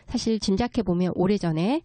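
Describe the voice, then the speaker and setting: A woman's voice: medium pitch, fairly quick, mellow, no echo. A woman speaking as a guest expert, explaining local folk culture politely and step by step. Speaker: guest expert, children's story writer.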